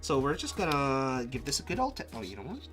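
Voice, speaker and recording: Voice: medium pitch, huge pitch swings, brisk, a bit bright, faint music behind. A live streamer casually thinking aloud, muttering to themself with restarts and sudden exclamations. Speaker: live streamer testing keyboards.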